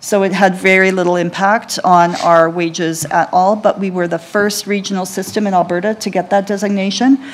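A woman, a library system executive, answering council questions in a clear, businesslike way from a council chamber desk mic. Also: medium pitch, little pitch movement, normal speed, hardly any pauses. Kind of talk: formal presentation answers.

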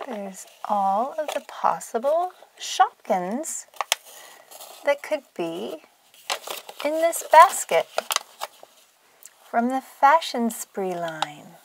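A woman's voice: a little high, sing-song, very slow, long pauses, noisy background. A woman hosting a toy unboxing for children, narrating playfully in a gushing, exclamatory, sing-song way. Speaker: toy unboxing video host.

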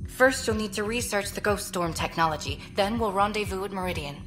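An earnest woman officer aboard a starship played by an actress in a game. She sounds focused and mid-pitched, with music clearly behind her. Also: brisk, a bit bright, close to an everyday voice. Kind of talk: video game voice acting.

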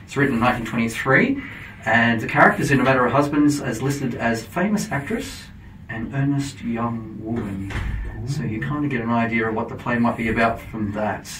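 A man's voice: medium pitch, expressive, normal speed, fairly bright tone, a little hiss or hum. An Australian man talking eagerly as a studio guest on a radio show, explaining with frequent fillers. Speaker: theatre company guest promoting plays. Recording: roomy, distant camera audio.

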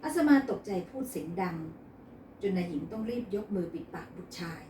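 A woman calmly narrating a romance novel, recorded in an echoey room from a distance. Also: fairly low pitch, fairly quick, a little hiss or hum. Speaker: novel reader. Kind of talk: storytelling narration.

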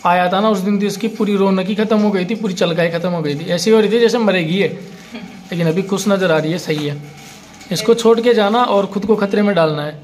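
A man's voice: high-pitched, fairly quick. A young man vlogging casually at home, teasing his wife and talking to viewers. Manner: teasing, talkative, addresses viewers as guys. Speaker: vlogger, husband. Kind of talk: casual vlog talk to camera.

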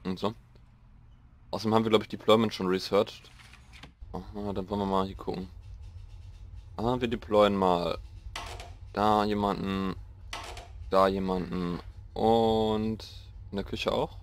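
A young man with a slightly hoarse voice, rambling casually through gameplay commentary and mocking himself as he goes. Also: on the low side, steady tone, a little slow, long pauses. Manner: rambling, self-mocking, thinking aloud. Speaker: let's play host.

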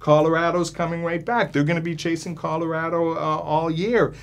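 A man's voice: a little high, level tone, brisk, creaky. An older male sports columnist speaking on a studio panel, emphatic and stumbling over his first words before building up lists. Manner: emphatic, repeats words when starting. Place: studio with panel seated on stools.

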